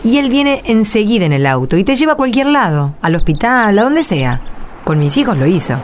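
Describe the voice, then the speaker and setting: A woman's voice: mid-range voice, very animated, a little fast, slight background noise, lightly acted. A woman playing a proud, weary, poor mother in a radio drama, plain-spoken, with an Argentine accent. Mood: concerned, admiring.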